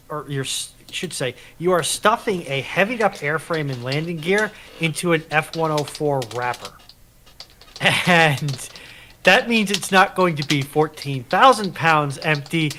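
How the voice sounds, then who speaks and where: A man's voice: fairly high pitch, sharp tone, a little hiss or hum. A man in a casual military history discussion, explaining things in an insistent way.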